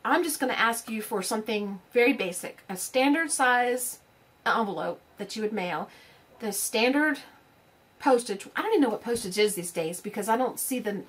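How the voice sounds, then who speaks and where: A woman's voice: fairly high pitch, lively intonation, normal speed, breathy edge. A woman, chatting casually to her craft channel's viewers in a rambling way, full of fillers and restarts. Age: 50s. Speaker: crafting vlogger. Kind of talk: casual chat to camera.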